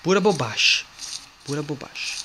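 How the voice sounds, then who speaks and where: Excitable male gamer, lively swooping voice, faint hiss behind. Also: fairly high pitch, normal speed. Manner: excitable, yelps at jump scares, talks to viewers and a friend. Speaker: gamer playing a horror game. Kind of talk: casual gameplay commentary.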